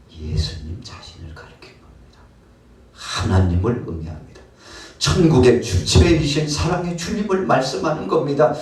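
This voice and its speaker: A man preaching a sermon as pastor, telling the story dramatically and acting out the scenes. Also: a little high. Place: church. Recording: roomy church hall, mic far off.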